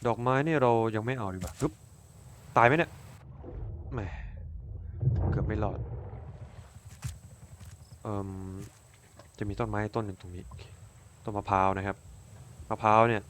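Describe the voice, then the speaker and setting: A man with a lowish voice runs casual commentary over a survival game, swearing freely and jumping into excited outbursts. He talks to his character as if it were a friend sitting next to him, then drops back to quiet muttering while he works out the next step. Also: moderate pace, long pauses, slight background noise. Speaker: gaming YouTuber. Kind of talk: casual let's-play commentary.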